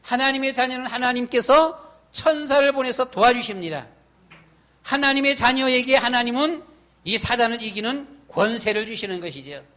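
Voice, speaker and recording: High, bright-voiced preaching pastor. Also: male voice, normal speed. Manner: emphatic preaching with rhetorical questions; acts out his own past and inner voice in quotes. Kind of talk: sermon. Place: church sanctuary.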